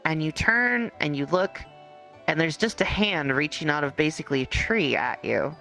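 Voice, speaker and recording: A game master improvising second-person roleplay narration in a conversational, halting way. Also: mid-range voice, gravelly, sharp tone, faint music behind. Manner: conversational, halting storytelling with hedges.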